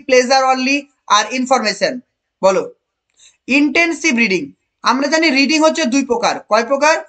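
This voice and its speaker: A high-pitched teacher leads an online exam-prep class. The voice asks students question after question, repeats the key answers and praises pupils by name. English options are read out slowly. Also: a bit bright.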